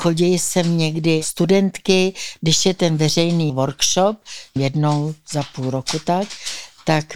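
A woman's very deep, low-pitched voice at a very slow pace, with fairly even intonation and a dry, close sound with no echo. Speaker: knitting instructor, senior. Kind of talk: casual chat. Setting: workshop around table.

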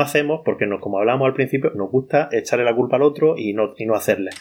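A man talks. His pace is very fast. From Cartagena, Murcia, southeast Spain. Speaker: environmental scientist and science communicator. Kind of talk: casual chat.

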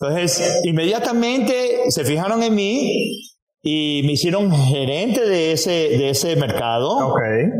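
Very wide pitch swings at very even loudness, a fairly slow pace, an Ecuadorian accent and audible room echo. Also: man, high pitch for a man. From Ecuador, Guayaquil. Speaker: used car salesman. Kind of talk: interview.

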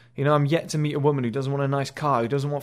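A man speaks at a fairly high pitch in an angry, confident tone. His intonation stays fairly even. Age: 20s. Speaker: video creator giving men lifestyle advice. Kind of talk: angry rant. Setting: solo video, self-recorded. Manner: angry, emphatic, swearing, confident; fast, insistent, lecturing.

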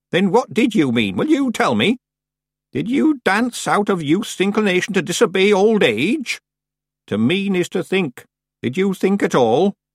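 A man puts on a character voice, high-pitched with big pitch swings and a slightly husky edge, speaking at a fairly slow pace in a dry, close sound with no echo on a very clean recording with a silent background.

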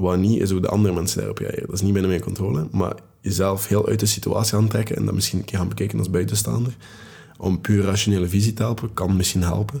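Very fast and very deep in pitch, a man with an Antwerp accent speaks with vocal fry, a dark, mellow tone, and ordinary pitch variation. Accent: Flemish Dutch (Antwerp). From Belgium, Antwerp. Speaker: podcast host. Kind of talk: solo book review monologue. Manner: casual, with frequent fillers.

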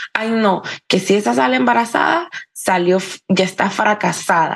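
A woman speaks at a very slow pace with vocal fry. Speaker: podcast co-host, assistant project manager. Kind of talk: casual chat.

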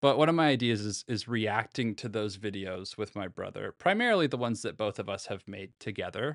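Fairly quick talk from a man, his pitch in the medium range. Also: ordinary pitch variation, hardly any pauses. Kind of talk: casual solo monologue. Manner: halting, with fillers.

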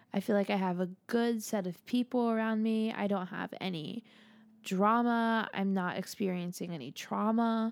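A woman speaks at a moderate pace in a normal speaking voice, with fairly even intonation. The recording is very clean, with a silent background. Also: medium pitch for a woman. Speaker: podcast co-host. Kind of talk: casual chat.

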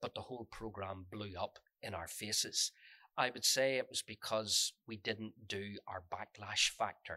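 A man speaks with a Northern Irish accent at a fairly low pitch. His tone is bright and sharp, and his intonation fairly even. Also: fairly slow pace, dry, close sound with no echo. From Northern Ireland. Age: 60s. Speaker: journalist. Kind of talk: interview.

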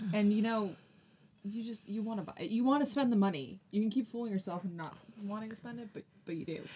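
Amid noticeable background noise, a woman with an American accent talks at a very fast pace in a fairly high pitch, with ordinary pitch variation and big swings in loudness. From Boston area, Massachusetts. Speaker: clinical trials worker at a pharma company. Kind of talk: casual chat. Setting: recording in person in Florida.

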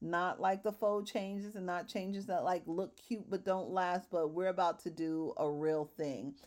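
A woman with a normal speaking voice and a medium pitch talks at a moderate pace with hardly any pauses. Her pitch variation is ordinary, on a very clean recording with a silent background. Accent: American. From New York City, Queens. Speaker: podcast host, fashion creator. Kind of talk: casual solo talk.

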